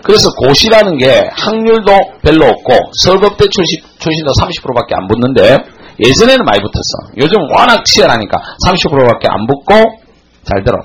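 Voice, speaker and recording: Brief: male lecturer in his 40s, somewhat high voice, swinging pitch, blunt storyteller. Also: brisk, breathy edge, poor audio. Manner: animated storytelling, blunt and coarse. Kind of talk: motivational classroom lecture.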